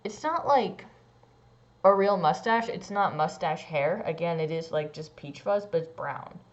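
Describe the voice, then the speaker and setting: A young trans man vlogging a casual personal update, rambling with lots of "like" and "um" and swooping into squeaky high bits. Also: lively intonation, a little slow. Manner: rambling, many likes and ums. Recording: dull lo-fi sound.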